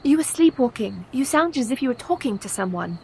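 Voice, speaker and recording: An actress playing a caring, composed young woman who speaks in steady, formal period English in a radio play. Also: high voice, fairly quick, creaky, breathy edge, full character voice. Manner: steady, reassuring, formal speech.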